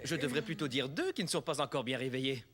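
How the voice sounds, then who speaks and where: A man voicing a gentle, teasing dad in a French children's cartoon. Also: mid-range voice, fast, lightly acted. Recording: music behind the voice.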